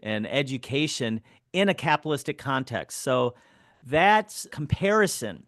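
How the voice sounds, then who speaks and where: A man's voice: mid-range voice, sing-song, measured pace, fairly bright tone, dry recording. Earnest man from Wisconsin, dry sound. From Wisconsin, United States. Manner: earnest, reflective. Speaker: guest, professor. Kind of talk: interview.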